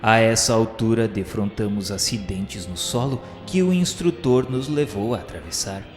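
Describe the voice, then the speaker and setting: A male narrator with a Brazilian accent tells a radio drama in solemn, literary phrasing. His mid-range voice rings with long reverb over clearly audible music. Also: mid-range voice. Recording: reverberant hall effect, music behind.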